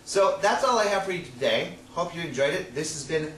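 A man's voice: fairly high pitch, lively intonation, a little fast, fairly bright tone. A middle-aged man presenting to camera in a playful, showman-like way, demonstrating as he explains. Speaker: science presenter. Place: small indoor room with projector screen. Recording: roomy, distant camera mic, noisy.

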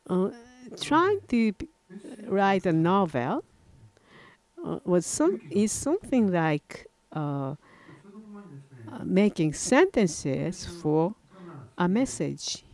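Slow, halting older Japanese pastor. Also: male voice, high-pitched, big pitch swings, darkish tone. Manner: halting, frequent self-corrections and restarts. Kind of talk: sermon. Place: church platform at a wooden lectern, indoors.

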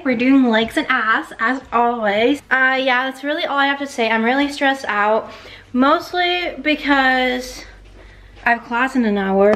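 Chatty teenage girl vlogging. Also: sits high. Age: late teens. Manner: chatty, frequent "like", candid about her feelings. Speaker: vlogger, high school senior. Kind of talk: casual vlog chat.

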